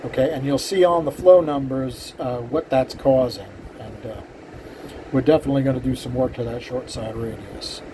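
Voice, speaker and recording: Against a noisy background, an older man with a mid-range voice talks at normal speed. He ports cylinder heads and chats to camera about the trade in a rambling, self-deprecating manner, using many fillers.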